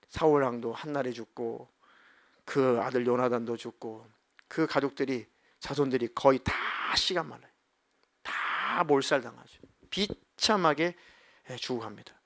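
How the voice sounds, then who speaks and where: A middle-aged man preaching a sermon as senior pastor, telling a story with lively, acted-out dialogue. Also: medium pitch, vocal fry, no room sound. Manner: animated storytelling, acting out quoted dialogue.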